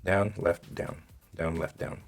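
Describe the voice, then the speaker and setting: A man who is a little hoarse, giving casual step-by-step drawing instruction and thinking aloud as he demonstrates. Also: deep voice, fairly even intonation, takes it slowly, faint music behind. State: hoarse, losing his voice. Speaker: drawing tutorial host.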